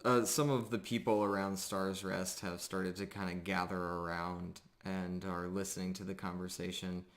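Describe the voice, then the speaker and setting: A man narrating a tabletop roleplaying game as game master, improvising in halting phrases with pauses. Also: sits low, little pitch movement. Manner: halting, pausing between phrases.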